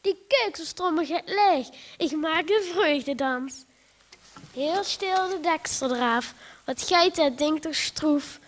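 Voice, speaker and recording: A woman's voice: high voice, takes it slowly, a little hiss or hum. A female contestant with a Limburgish accent reciting a rhymed poem dramatically.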